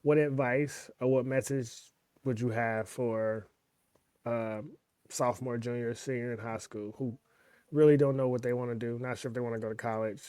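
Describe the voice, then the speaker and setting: Relaxed man hosting, dry close sound. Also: mid-range voice, moderate pace, clear, resonant tone, dry recording. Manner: relaxed, slangy, encouraging. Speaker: podcast host. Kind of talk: casual interview questions.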